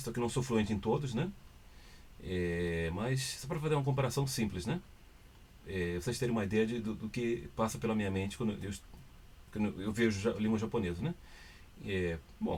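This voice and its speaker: A man's voice: on the low side, darkish tone, slight background noise. A Brazilian man with a Brazilian Portuguese accent casually explaining a language, hesitant and peppered with fillers and restarts. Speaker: language teacher.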